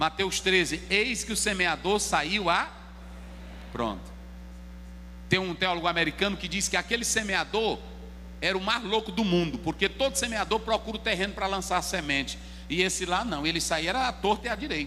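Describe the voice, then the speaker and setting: Over noticeable background noise, a man talks at a fairly quick pace with long, frequent pauses. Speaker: pastor. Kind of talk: sermon.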